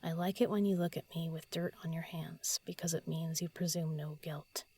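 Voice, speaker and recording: A woman playing a solitary, pensive writer in an audio drama, murmuring halting lines to herself as she composes, often half-whispering. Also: deep voice, fairly even intonation, warm tone, husky. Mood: musing, reciting. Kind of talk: intimate audio drama monologue, thinking aloud.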